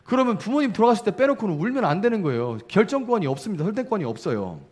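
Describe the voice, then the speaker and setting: A middle-aged man preaching a Sunday sermon as pastor, acting out quoted lines and dropping soft and low at gentle moments. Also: rapid-fire. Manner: lively, acts out quoted speech in shifting voices; drops to a soft low voice when speaking gently.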